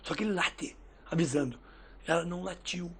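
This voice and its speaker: A man with a fairly high, husky voice and a gravelly edge tells stories in a relaxed podcast chat. He acts out what people said in lively little voices. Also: a little fast. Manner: lively storyteller who acts out quoted dialogue. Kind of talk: casual podcast chat, storytelling.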